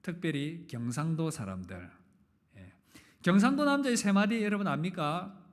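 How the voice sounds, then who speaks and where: A pastor from the Gyeongsang region preaching a sermon in a church, questioning and joking with the congregation, with loud emphatic openings. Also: male voice, on the high side, sing-song, moderate pace. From Gyeongsang region, Korea. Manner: asks the congregation questions and jokes with them. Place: church sanctuary. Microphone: live-streamed service mic.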